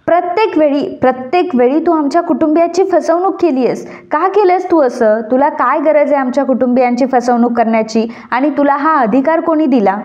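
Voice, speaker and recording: A woman's voice: high voice, normal speed, hardly any pauses, a little mellow, close to an everyday voice. A woman voicing a stern elder brother who scolds with reproachful questions. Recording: dull lo-fi recording.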